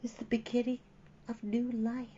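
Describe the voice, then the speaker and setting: A man voicing a serene, resolute childlike empress from a fairy-tale storybook, in a soft, light, hushed voice with calm, measured delivery. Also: very high-pitched, husky, highs cut off, pitched above the performer's own voice. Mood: gentle, insistent.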